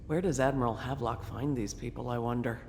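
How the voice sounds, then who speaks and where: An actor playing a scornful, gossipy servant talking in a casual, incredulous way. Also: male voice, medium pitch, quick pace, noisy background, natural voice. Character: gossipy, scornful male servant grumbling about a boatman. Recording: reverberant room with music.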